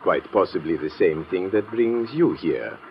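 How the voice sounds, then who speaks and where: An actor playing a smooth, flowery, romantic Egyptian gentleman with courtly, ornate manners in a 1950s radio drama. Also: low-pitched, expressive, measured pace, heavily acted. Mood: suave, romantic. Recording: muffled, noisy old radio recording.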